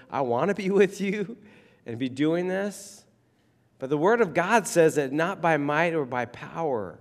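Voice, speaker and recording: A man with a hoarse, froggy voice preaches in a relaxed, rambling way, full of ums and asides. His voice is of ordinary pitch for a man. The sound carries a long reverb, as in a church hall. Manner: rambling, conversational, many fillers. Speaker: pastor. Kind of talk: casual sermon.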